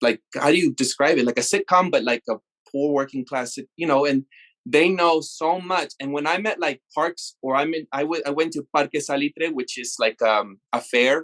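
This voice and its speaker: A man's fairly high voice with a Mexican accent, ordinary pitch variation, and a dry, close sound with no echo. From Mexico. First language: Spanish. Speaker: traveler and activist. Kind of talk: casual chat.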